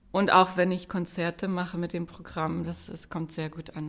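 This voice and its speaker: A woman with a fairly low pitch speaks at a moderate pace in a monotone, flat intonation with vocal fry. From Belgium, raised in Germany from age four. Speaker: composer and singer. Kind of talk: interview.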